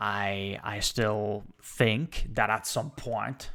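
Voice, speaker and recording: In a very clean recording with a silent background, a man speaks with vocal fry and ordinary pitch variation. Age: 30s. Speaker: vlogger. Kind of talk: testimony. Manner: halting.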